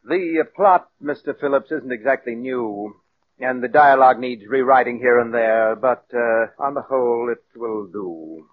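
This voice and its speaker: A man's voice: mid-range voice, moderate pace, natural voice. An actor playing a cold, condescending male radio director who belittles his writer and cast, in an old radio drama. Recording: dull old radio broadcast with hiss.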